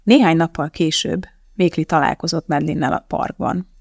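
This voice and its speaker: An audiobook narrator giving a measured scripted reading of a novel. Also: medium pitch, vocal fry, dry recording, studio quality.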